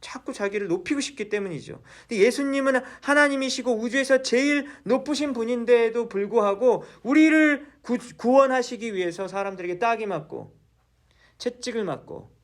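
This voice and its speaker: A male pastor preaching a sermon in a church, asking the congregation questions and then answering them himself. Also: very high-pitched.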